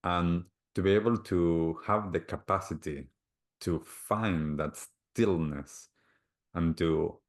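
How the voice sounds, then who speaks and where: A man from Argentina with an Argentine Spanish accent, speaking slowly and gently as a guest healer on a video call, often repeating words as he searches for the next one. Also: sits low. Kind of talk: calm reflective interview answers.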